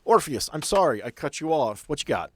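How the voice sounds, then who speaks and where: A man's voice: a little high, big pitch swings, fairly quick, dry recording. A man narrating a tabletop horror game as game master, describing scenes in a casual, conversational way.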